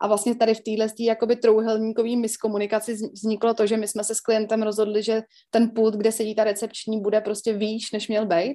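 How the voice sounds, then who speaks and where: A woman with a fairly high pitch and a dark, mellow tone speaks at a fairly quick pace. Her intonation is monotone and flat, and she hardly pauses at all. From Prague, Czechia. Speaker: architect. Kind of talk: casual chat. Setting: at home.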